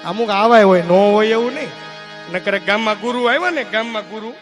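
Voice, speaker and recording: A man telling folk comedy stories on stage, quick and full of acted voices. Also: high voice, music in the background. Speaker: stand-up comedian and mimic. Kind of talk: Gujarati folk comedy storytelling.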